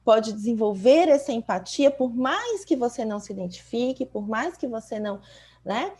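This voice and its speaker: Co-hosting a podcast, this Bahian doctor from Salvador, Brazil, shares reflective stories in relaxed conversation, her Portuguese full of "né?" fillers. Her voice is a little high and husky with a darkish tone, animated but delivered at a normal pace.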